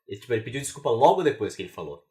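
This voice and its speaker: A man with a Brazilian Portuguese accent co-hosting a podcast, telling a story in quick, slangy casual chat. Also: medium pitch, sing-song, dark tone. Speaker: podcast co-host.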